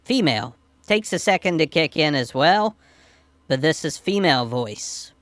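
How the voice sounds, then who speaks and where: A man's voice: animated, normal speed, fairly bright tone, no echo. A man talking through a voice changer set to a female voice, grumbling as he tests it. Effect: voice changer pitch shift.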